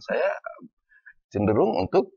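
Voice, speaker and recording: A man from North Maluku, an academic guest, talking in a podcast discussion in an animated, questioning way. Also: medium pitch, slow pace, creaky, husky, no echo, muffled recording. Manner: animated, questioning, often adds "ya kan?". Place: small podcast studio. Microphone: desk mic on stand.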